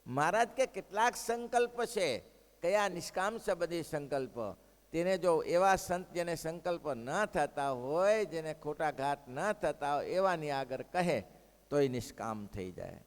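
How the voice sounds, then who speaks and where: A male preacher telling devotional stories in a lively way, rising to loud exclamations and then dropping to hushed asides. His voice sits somewhat high, and a long reverb carries through the large hall. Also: unhurried. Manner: animated, shifting between loud exclamations and hushed quotes. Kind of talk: devotional sermon storytelling.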